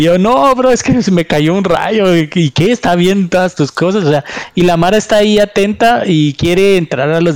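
Here a man speaks with lively intonation. His pitch is high. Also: dry, close sound with no echo. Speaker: content creator. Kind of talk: casual chat.

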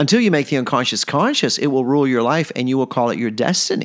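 Lively in intonation, a man with an ordinary speaking voice, fairly high pitch and an American accent is heard in a very clean recording with a silent background. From Houston, Texas and Mexico. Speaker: podcast host, mindset coach. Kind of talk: motivational monologue.

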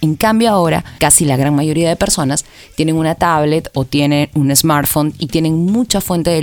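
Ordinary pitch variation at a moderate pace. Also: woman. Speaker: podcast host. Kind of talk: casual monologue. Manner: sleepy, soft delivery.

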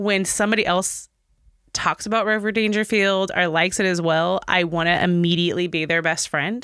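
A woman speaks in an animated tone at a medium pitch and a fairly quick pace. The recording is very clean, with a silent background and very even loudness. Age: 30s. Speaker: podcast co-host. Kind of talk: casual chat.

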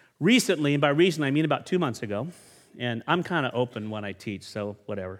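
A man speaks loudly at a very fast pace in a fairly high pitch, with an animated tone and very wide pitch swings. The recording is very clean, with a silent background. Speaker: pastor. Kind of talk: sermon. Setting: church.

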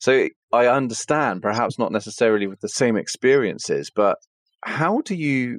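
In a plain, everyday voice, a man talks at a moderate pace and medium pitch with ordinary pitch variation, the sound dry and close with no echo. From Canada. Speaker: podcast host. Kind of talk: interview, podcast intro.

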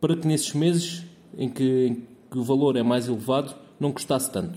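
This man's dark, mellow tone comes at a moderate pace with fairly even intonation. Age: 30s. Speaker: listener. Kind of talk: recorded listener testimony.

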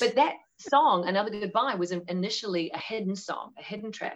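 In a New Zealand accent, a woman is speaking. Her pitch varies in an ordinary way. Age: 40s. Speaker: singer-songwriter and voice teacher. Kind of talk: casual chat. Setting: video call. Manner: fast; animated.

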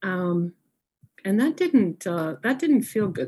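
A woman with an American accent speaks at a moderate pace in a medium-pitched, somewhat breathy voice. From Colorado. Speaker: recovering alcoholic sharing her story. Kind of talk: testimony.

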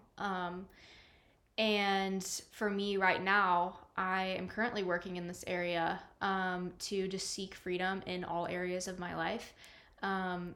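Her voice is medium in pitch, bright and sharp, delivered in a flat monotone. The woman speaks very slowly, and the room echo is audible. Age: 20s. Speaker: college student, host's daughter. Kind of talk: casual chat.

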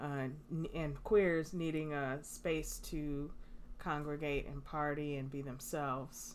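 A woman speaks very slowly in a very deep, low pitch. Her intonation is monotone and flat, with audible room echo. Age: 40s. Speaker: cannabis entrepreneur and social equity advocate. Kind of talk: casual interview chat.

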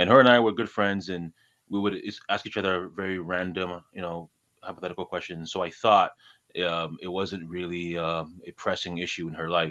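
With fairly even intonation and a very deep, low pitch, a man talks at a moderate pace against a quiet background. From Ghana, then Canada from age 10. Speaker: blogger and pro-life activist. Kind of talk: interview. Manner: halting, many fillers.

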